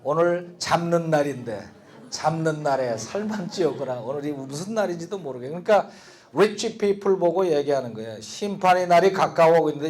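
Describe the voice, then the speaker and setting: A man's voice: on the high side, darkish tone. An older man teaching an English speaking lesson from Bible verses, joking and repeating words for the class to drill.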